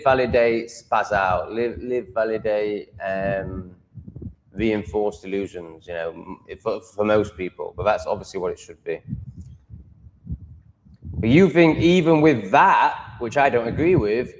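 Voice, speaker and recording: A man hosting a livestream in a blunt, profane, mocking manner. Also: on the low side. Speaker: livestream host. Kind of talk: casual livestream rant. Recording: long reverb, faint noise.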